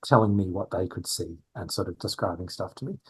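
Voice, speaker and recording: With a slight Australian accent, a man talks at a fairly quick pace in a fairly low, somewhat breathy voice. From Australia (Bendigo, Victoria). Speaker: astronomer. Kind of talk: podcast interview. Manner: hesitant, many fillers.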